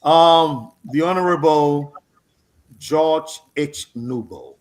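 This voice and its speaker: A man's voice: on the high side, takes it slowly, low-quality recording. A man co-hosting a live radio and TV talk show, genially introducing panelists with some light teasing.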